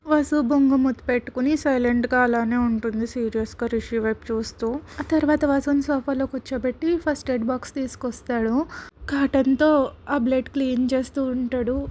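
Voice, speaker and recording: A woman narrating a romantic serial story in a steady, conversational way. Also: sits high, moderate pace.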